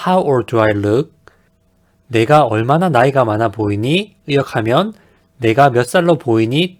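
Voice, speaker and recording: A man giving a scripted beginner English lesson in a measured, polite, explanatory manner. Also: medium pitch. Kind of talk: scripted instructional narration.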